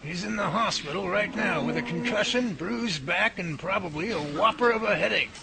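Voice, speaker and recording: A man playing a professor who calmly reasons things out and takes charge, in an amateur radio drama. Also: sits high, moderate pace, vocal fry. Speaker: professor leading a research lab. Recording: noisy amateur recording.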